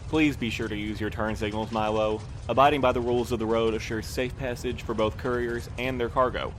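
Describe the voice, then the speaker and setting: A man's voice: medium pitch, fairly even intonation, a little fast, a little hiss or hum, natural voice. A man acting in an audio drama as a fussy, earnest postal supervisor who speaks in formal, precise language. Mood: earnest, lecturing. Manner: formal, precise, prim wording. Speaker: voice actor in a fiction podcast.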